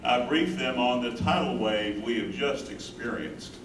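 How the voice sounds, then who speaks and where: A man's voice: medium pitch, measured pace, distant mic, lightly acted. A man playing an earnest, grieving older husband who cares for his wife, in a dramatic staged play reading. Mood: troubled recounting. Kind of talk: staged play reading, first-person narration. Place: live staged reading in echoey room. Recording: roomy, noisy stage recording from afar.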